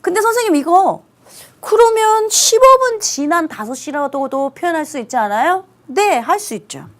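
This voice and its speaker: A woman teaches an online English lesson to high school students, speaking emphatically and drawing out stressed English words. She sounds animated and a bit bright, keeping a moderate pace.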